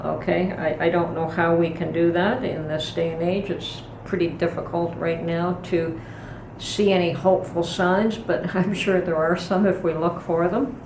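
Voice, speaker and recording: A middle-aged woman hosting a homestead vlog, chatting calmly and thoughtfully from her home kitchen. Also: on the low side. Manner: calm, unhurried, thoughtful with pauses. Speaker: homestead channel host. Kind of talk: casual kitchen vlog chat. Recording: echoey room with noticeable background noise.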